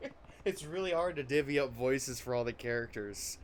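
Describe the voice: A passage in plain reading aloud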